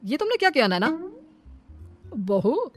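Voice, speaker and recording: A woman doing a fussy older father-in-law in a cartoon, scolding and greedy. The voice is moderately high, with faint music under it. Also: big pitch swings, measured pace.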